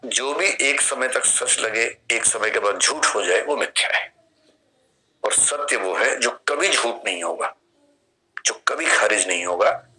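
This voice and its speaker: A man's voice: lowish voice, lively intonation, a little slow, sharp tone, poor audio. A man in his fifties with an Indian accent, giving a classroom lecture and explaining through questions and vivid examples. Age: 50s. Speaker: philosophy teacher.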